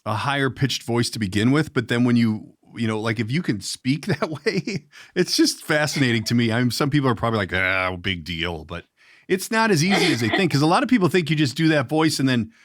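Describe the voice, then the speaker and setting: A man's voice: medium pitch, very animated, a little fast, fairly bright tone, no room sound, clean studio sound. A man hosting a podcast in a casual interview style, rambling and often restarting his sentences as he goes. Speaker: podcast host.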